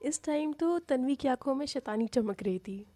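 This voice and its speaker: A woman's voice: high-pitched, animated, moderate pace, dark tone. A woman narrating a love story in a casual, chatty way.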